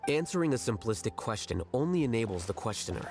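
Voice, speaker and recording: A man's voice: mid-range voice, big pitch swings, fast, darkish tone. An actor playing a cool, blunt young male scholar who speaks in a detached, articulate way in an anime video game. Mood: aloof, analytical. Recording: background music under game dialogue.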